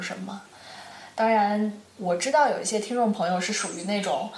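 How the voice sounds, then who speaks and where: Over noticeable background noise and audible room echo, a woman speaks at a moderate pace with fairly even intonation. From China. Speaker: student podcast host. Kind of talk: casual chat.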